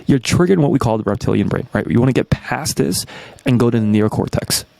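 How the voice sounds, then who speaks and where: A man in his twenties from New York, breaking down marketing tactics as a coach, energetic and full of rhetorical questions, tagging "right?" onto nearly every point. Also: medium pitch, quick pace, gravelly, a little hiss or hum. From New York, USA. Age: 20s. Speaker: YouTube business coach.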